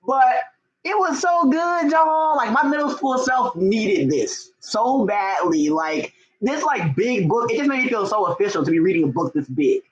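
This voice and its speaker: Higher-pitched young man, gushing and chatty. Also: moderate pace, highs cut off. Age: young adult. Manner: gushing, excitable, slangy with frequent "like" and "y'all". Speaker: book vlogger and writer hosting a livestream. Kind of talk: casual, chatty livestream talk.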